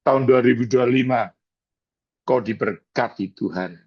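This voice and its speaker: A male pastor from East Java preaching and praying with slow, dramatic emphasis, mixing in English words, heard over a video call. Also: mid-range voice, breathy edge, dry recording. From East Java, Indonesia. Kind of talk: emotional sermon and prayer. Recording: dry, dull video-call audio.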